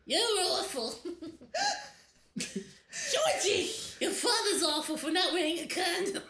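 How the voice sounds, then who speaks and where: Man doing a shrill nagging old Jewish granny, penny-pinching, very high, slow and drawn out. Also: sing-song, sharp tone, a little hiss or hum, heavily acted. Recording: roomy echo.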